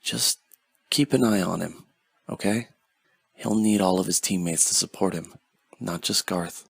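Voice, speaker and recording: A man playing a grave, measured superhero team commander in an amateur audio drama. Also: sits low, creaky, slightly rough, dry recording, full character voice. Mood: weary, reflective.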